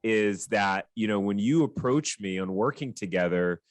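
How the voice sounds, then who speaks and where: A man's voice: lowish voice, animated, normal speed, dry recording. A man hosting a franchise podcast, talking in an upbeat, enthusiastic way with his guest. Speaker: podcast host. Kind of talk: podcast interview.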